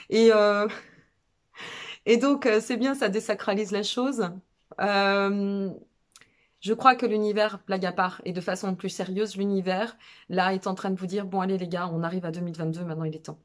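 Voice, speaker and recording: A woman with a Burgundian French accent chatting casually to her viewers as a channel host, digressive and self-mocking, repeating phrases for emphasis. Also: medium pitch. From Burgundy, France. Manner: emphatic repetition to drive points home. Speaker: online guidance reader and channel host.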